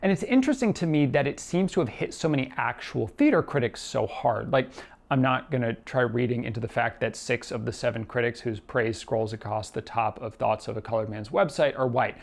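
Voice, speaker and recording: A man's voice: medium pitch, a little fast, creaky. A man in his thirties giving a conversational, scripted theatre review, arguing both sides with himself in an opinionated, emphatic manner. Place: small indoor room with shelves and TV. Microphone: lapel mic.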